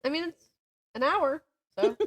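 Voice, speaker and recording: A woman with a high-pitched, unhurried voice co-hosts a book podcast, trading casual, chatty banter. She tells stories in an informal, slangy way, animatedly acting out what people said.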